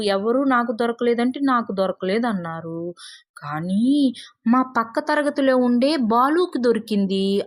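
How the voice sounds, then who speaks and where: A woman playing a curious, astonished young schoolboy in a storybook tale, speaking in an animated, questioning way. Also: a little high. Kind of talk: acted storybook dialogue.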